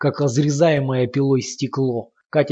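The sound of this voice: Over a quiet background comes an unforced reading voice.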